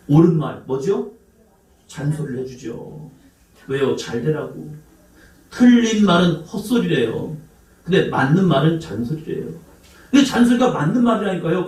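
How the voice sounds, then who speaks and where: A male pastor preaches with a fairly high voice that rings through a roomy church hall. He quizzes the congregation and plays out quoted voices with cries and sighs, and the mic picks him up from a distance. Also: darkish tone. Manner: asks the congregation questions. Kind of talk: sermon. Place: church sanctuary.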